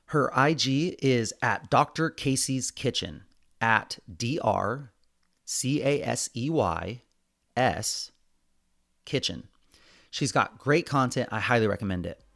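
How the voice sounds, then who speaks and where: An American man with a medium-pitched voice hosts a solo podcast. He talks earnestly and conversationally, partly following prepared notes and addressing his listeners directly. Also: expressive, measured pace, vocal fry. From United States. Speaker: podcast host. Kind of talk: semi-scripted solo podcast narration.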